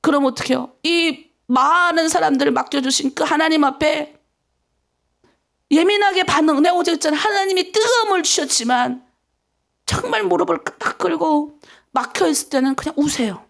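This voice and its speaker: A woman's voice: high-pitched, moderate pace, creaky, a bit bright. A woman pastor from North Korea with a North Korean accent, preaching an emphatic dawn prayer sermon and acting out pleading prayers.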